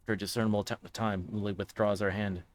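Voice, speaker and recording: A man's voice: on the low side, flat delivery, fast. A man livestreaming a visual novel, chatting casually and reading aloud, sometimes stumbling over his words. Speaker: streamer.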